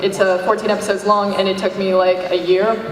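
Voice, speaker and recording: A woman's voice: mid-range voice, little pitch movement, brisk, slight background noise. A woman chatting casually at a convention panel as a writer, joking and self-deprecating. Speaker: panelist and parody series writer. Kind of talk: casual unscripted panel chat. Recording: echoey hall, distant microphone.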